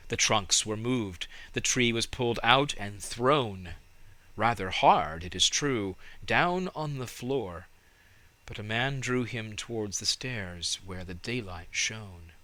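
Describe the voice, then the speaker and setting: Guy reading fairy tales, slow and dramatic, bright forceful voice, very dry close sound. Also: lowish voice, lively intonation, no room sound. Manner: measured, dramatic storytelling. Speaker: audiobook narrator. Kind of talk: expressive storybook narration.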